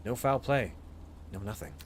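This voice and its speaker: A man's voice: on the low side, normal speed, a little hiss or hum, lightly acted. A man voicing a talkative, teasing male sidekick to a detective in a visual novel, in a conversational way. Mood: grave, confiding.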